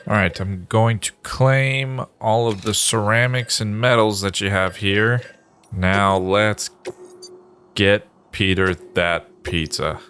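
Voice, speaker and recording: Profane, fed-up gamer man, lowish voice. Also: steady tone, slow pace, a bit bright, slight background noise. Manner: profane, exasperated running commentary. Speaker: gamer playing through a video game. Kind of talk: casual let's-play commentary. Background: game music.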